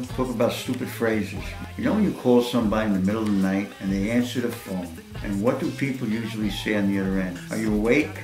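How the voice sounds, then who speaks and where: A man talks at a very fast pace over clear music in the background. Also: ordinary pitch variation. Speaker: gamer. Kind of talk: casual talk to camera. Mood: joking, good-humoured. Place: home room.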